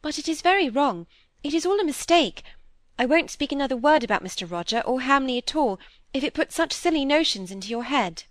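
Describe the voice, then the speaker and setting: A woman's voice: high-pitched, animated, brisk, dry recording, pitched above the performer's own voice. A woman voicing an earnest young girl who speaks openly and grows indignant easily.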